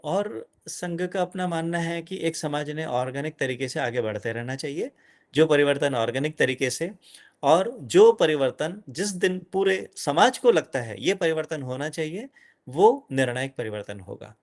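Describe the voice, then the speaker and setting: Animated man lecturing. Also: a little high, normal speed. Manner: animated, questioning, mixes in English phrases. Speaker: guest speaker. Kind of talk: lecture to an audience.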